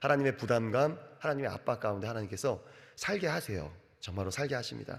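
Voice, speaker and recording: Talking at a very fast pace, a man shows vocal fry, a medium pitch and lively intonation. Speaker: pastor. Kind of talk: sermon.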